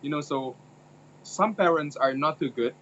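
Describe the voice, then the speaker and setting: A man's voice: fairly high pitch, moderate pace, fairly bright tone, a little hiss or hum. A young man from Indonesia, a university student, talking hesitantly and searching for words in a casual discussion. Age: young adult. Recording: dull lo-fi sound.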